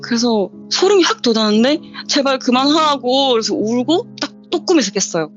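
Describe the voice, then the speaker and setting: A woman's voice: fairly high pitch, a little fast. Woman telling her creepy true story on a horror radio show, acts out all the lines, kinda dull lo-fi sound with faint music under it. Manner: lively, acts out the quoted dialogue. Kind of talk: casual storytelling interview.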